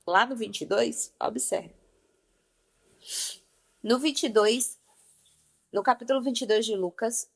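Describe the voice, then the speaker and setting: A woman's voice: medium pitch, gravelly. A woman from Brazil giving an informal, conversational sermon, acting out dialogue from scripture as she goes. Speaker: preacher.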